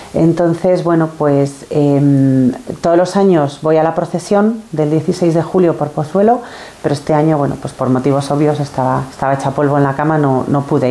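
A woman speaks at a very deep, low pitch, keeping her loudness very even. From Spain (Salamanca, then Madrid from age 12); Spain. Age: 40s. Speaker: cancer patient sharing faith testimony. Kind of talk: testimony. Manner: hesitant, many fillers and repetitions. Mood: earnest, emotional. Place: studio. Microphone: lapel.

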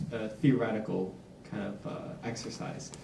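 A man is speaking with audible room echo. Light background noise is present. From US Northeast. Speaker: panelist, convert to Islam, former teacher. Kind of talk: personal testimony. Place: meeting room.

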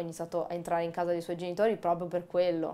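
The speaker is a woman with a fairly low pitch. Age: 30s. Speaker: interviewee. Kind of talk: interview testimony. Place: kitchen.

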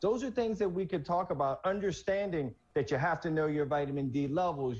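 A man speaks at a fairly quick pace. His voice is somewhat breathy. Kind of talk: interview answer. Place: home room. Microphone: video call.

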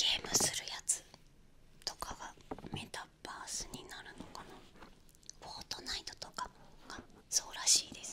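Whispering and soft-spoken, a woman talks at a fairly slow pace with long, frequent pauses and big swings in loudness, over noticeable background noise. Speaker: ASMR creator. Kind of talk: soft ASMR chat. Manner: soft close whisper into binaural mic. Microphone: studio mic.

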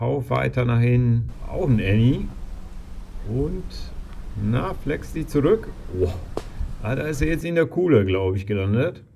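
A man's medium-pitched voice at a fairly slow pace, with long, frequent pauses, very wide pitch swings and noticeable background noise. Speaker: disc golf video creator. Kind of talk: live commentary. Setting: outdoors. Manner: animated.

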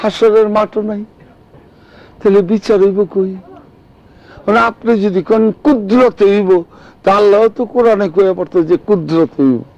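Noticeable background noise behind a man with a high-pitched voice. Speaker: sufi preacher. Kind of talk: sermon.

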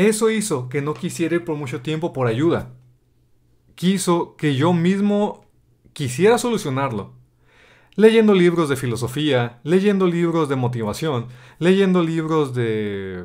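A man with a fairly high pitch speaks at a fairly slow pace, his pitch swinging very widely against a quiet background. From Mexico. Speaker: programming YouTuber; programming youtuber. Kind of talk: personal vlog testimony. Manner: halting, stuttering. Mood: reflective, personal confession. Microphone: studio mic.

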